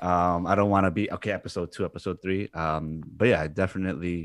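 In a New York accent, a man talks at a fairly quick pace with a very deep, low pitch and fairly even intonation. The recording is very clean with a silent background, dry and close with no echo. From New York, US. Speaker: co-host. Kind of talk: casual discussion.

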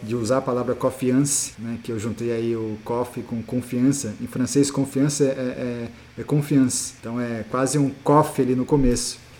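There is noticeable background noise as a man talks in a medium pitch. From Brazil, Osasco (Greater São Paulo). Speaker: graphic designer and entrepreneur. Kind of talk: casual interview chat.

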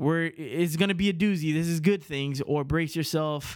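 In an animated tone, a man speaks at a moderate pace with a fairly high voice and ordinary pitch variation. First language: Spanish. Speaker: podcast host. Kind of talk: casual chat, podcast interview. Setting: Skype interview. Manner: animated, excitable.

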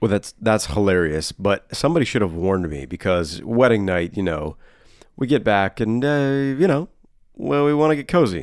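On a very clean recording with a silent background, a man speaks in a relaxed tone at a moderate pace and fairly low pitch, with very wide pitch swings. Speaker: actor and podcast co-host. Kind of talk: casual chat. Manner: relaxed, casual.

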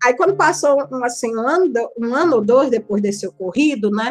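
In a Ceará accent, a woman talks at a high pitch. Her intonation is lively. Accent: Brazilian northeastern (Ceará) Portuguese. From Ceará, Brazil (Maracanaú, near Fortaleza). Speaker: teacher and tabletop RPG YouTuber. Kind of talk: podcast interview. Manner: hesitant, frequent fillers.

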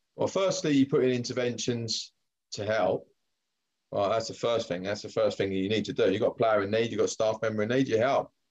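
A man speaks with a London accent. His pitch varies in an ordinary way. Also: medium pitch for a man, fairly quick pace. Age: 40s. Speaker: football coach and school trainer. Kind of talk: interview.

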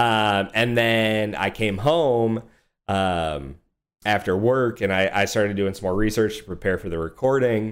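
At a fairly slow pace, a man with an ordinary speaking voice and a fairly low pitch talks with ordinary pitch variation on a very clean recording with a silent background. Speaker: podcast host. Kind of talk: casual chat.

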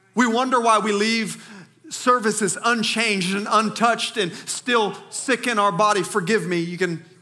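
Raising and projecting his voice, a man speaks high for a man at a moderate pace in a warm, animated tone. Noticeable background noise sits behind him. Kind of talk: sermon. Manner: animated, call-and-response, urging the congregation to repeat lines; earnest, conversational and warm.

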